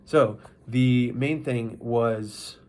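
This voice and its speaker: A man giving a casual, unscripted vlog recap, speaking in a halting, rambling way with mid-thought restarts. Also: mid-range voice, darkish tone. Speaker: vlogger. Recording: noisy ambient background.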